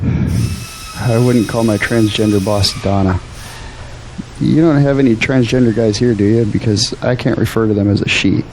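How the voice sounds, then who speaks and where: A man's voice: on the low side, moderate pace, a little mellow, a little hiss or hum, natural voice, rough recording. An actor playing an earnest, hopeful young Christian man in an audio drama. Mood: candid, polite. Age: young adult.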